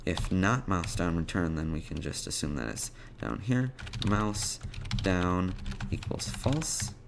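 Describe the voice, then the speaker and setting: A man presenting an unscripted programming tutorial, thinking aloud in a halting way as he types out code. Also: sits low, lively intonation, creaky, noisy background.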